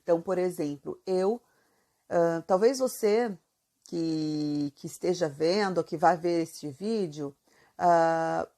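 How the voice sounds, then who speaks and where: This slow, warm, fairly low female voice belongs to an Italian teacher from southern Brazil with a Santa Catarina accent. Her video lesson is chatty, loaded with fillers and frequent questions to the viewer.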